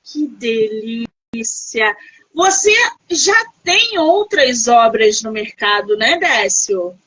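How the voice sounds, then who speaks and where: A woman's voice: fairly high pitch, lively intonation, very slow, a bit bright, breathy edge, no room sound, rough recording. A woman from Rio de Janeiro hosting a casual live interview over a video call, effusive and full of exclamations. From Rio de Janeiro, Brazil. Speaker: host.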